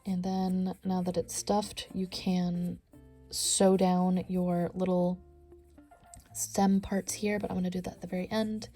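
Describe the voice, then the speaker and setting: A woman with a lowish, gravelly, mellow voice talks through a crochet tutorial, step by step. She counts stitches aloud and drifts into a soft near-whisper. Her nose is stuffy, and faint music plays underneath. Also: level tone, a little slow. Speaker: crochet instructor.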